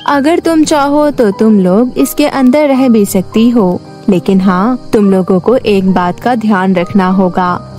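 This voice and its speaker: A benevolent fairy voiced by a woman in a cartoon fairy tale. She speaks calmly and kindly, giving guidance, with music behind her. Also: a little high, lightly acted. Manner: calm, kindly, instructive. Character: beautiful, benevolent fairy granting magical gifts. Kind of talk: cartoon story character acting.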